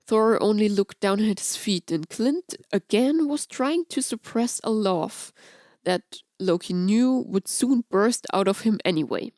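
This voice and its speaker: A woman narrates fan fiction in the manner of an audiobook, reading from a script. Her voice sits at a middle pitch, and the recording is dry with hardly any room sound. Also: darkish tone, dry recording.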